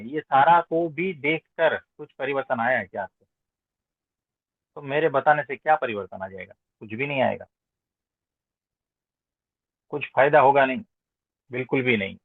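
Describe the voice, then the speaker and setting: A man speaking as a spiritual teacher in an informal question-and-answer discourse, didactic, with emphatic repetition and rhetorical questions. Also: mid-range voice. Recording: roomy echo, thin phone-like sound.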